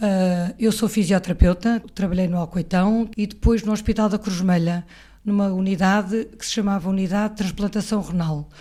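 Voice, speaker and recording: Her medium-pitched voice is somewhat breathy, with a dark, mellow tone and fairly even intonation at a moderate pace. The woman is recorded very cleanly against a silent background. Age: 60s. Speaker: hospice volunteer and physiotherapist. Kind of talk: interview conversation.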